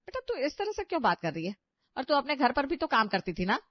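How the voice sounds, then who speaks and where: A woman's voice: sits high, sing-song, quick pace, dry recording. A woman voicing an aging, long-suffering mother-in-law in a cartoon story, who pleads and scolds in exasperation. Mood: pleading. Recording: dry, slightly dull audio.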